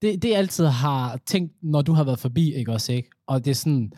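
A man's voice: mid-range voice, animated, dark tone, no echo, clean studio sound. A man chatting casually with a friend, telling stories and acting out what he says to himself. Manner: chatty storyteller, acts out his own inner talk, mixes in English. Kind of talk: casual chat.

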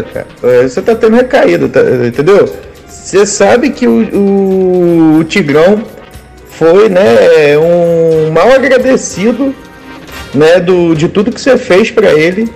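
A male caller scolding the host in a halting, stammering way. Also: high voice, lively intonation, gravelly, a little mellow, soft background music.

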